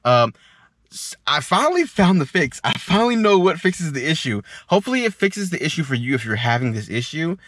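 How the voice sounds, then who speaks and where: A man's voice: a little high, big pitch swings, a little fast, fairly bright tone, no echo. A man talking casually through a how-to demonstration as a tutorial host, often repeating phrases for emphasis. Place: inside a car.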